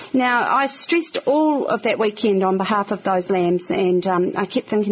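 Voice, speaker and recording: Noticeable background noise sits behind a woman with a New Zealand accent. Her medium-pitched voice has lively intonation. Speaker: radio host. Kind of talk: radio talk.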